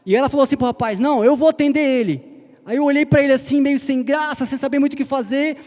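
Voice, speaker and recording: A man's voice: very high voice, fairly even intonation, rapid-fire, a little mellow. A man preaching a sermon, telling a personal story in a conversational way. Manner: conversational, retells a personal story acting out short quotes. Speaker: pastor. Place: church hall. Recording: long hall reverb.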